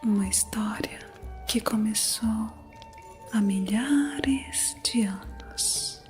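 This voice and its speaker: A woman narrating an ASMR guided meditation in a soothing, unhurried manner. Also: medium pitch, darkish tone. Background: music.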